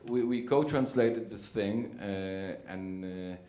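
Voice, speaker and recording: Man, playwright at a talkback, low voice, hesitant phrasing, echoey hall. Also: crowd noise. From Israel. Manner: halting, searching for words with many fillers. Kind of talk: post-show talkback answers. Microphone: handheld microphone.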